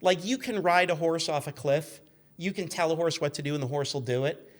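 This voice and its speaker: A man with a voice pitched a little high talks as a guest on a loose radio chat show. He explains and spins anecdotes with wry, dry humor. He often cuts himself off and starts the thought another way. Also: a little fast.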